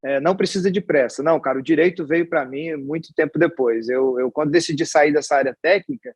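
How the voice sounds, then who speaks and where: A hospital executive from Goiás, Brazil, in his forties, is an interview guest telling his life story in relaxed, rambling Brazilian Portuguese with a Goiás accent, with lots of restarts and tag questions. His voice is on the high side with a breathy edge, fairly quick, and there's no echo in this casual conversation.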